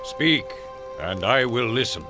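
An actor playing a proud older Native American chief in a radio drama, speaking in a solemn, deliberate and formal way. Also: male voice, mid-range voice, expressive. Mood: stern, commanding. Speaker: narrator and chief. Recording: radio play with music underneath.

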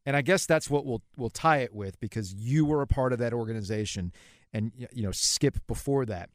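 A man's voice: mid-range voice, a little fast, no echo, studio quality. A man in his forties hosting a sports podcast, chatting informally in a casual interview style. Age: 40s. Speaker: podcast host.

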